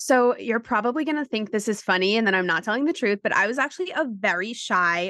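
In an American accent, a woman with a fairly high pitch and a bright, sharp tone speaks with lively intonation and very even loudness, the sound dry and close with no echo. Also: hardly any pauses. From New York City. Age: 20s. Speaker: author and model. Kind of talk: interview.

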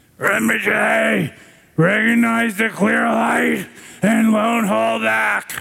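In a put-on character voice, a man shouts raspy and gruff at a very slow pace. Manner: shouting, as if at someone hard of hearing.

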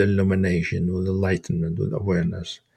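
In a somewhat breathy voice, a man talks with a fairly low pitch. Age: 70s. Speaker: spiritual teacher and author. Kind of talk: interview on spirituality. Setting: remote call.

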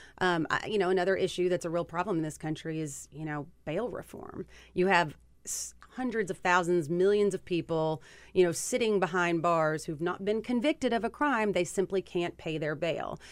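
The speaker has a Kentucky accent and a moderate pace, with ordinary pitch variation. The recording is very clean, with a silent background. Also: woman, fairly low pitch for a woman. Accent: Kentucky Southern. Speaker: criminal justice reform advocate. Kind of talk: political interview.

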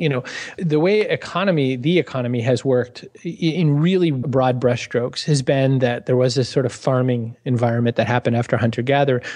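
A man with a plain, everyday voice and an American accent talks at a moderate pace and medium pitch, with ordinary pitch variation. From Maine, US (Augusta). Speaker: author and business strategist. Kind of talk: interview.

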